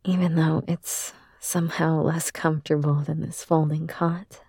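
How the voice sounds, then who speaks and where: A woman whispering softly and soothingly in an ASMR roleplay, close to the microphone. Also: deep voice, little pitch movement, measured pace, slightly rough, no echo.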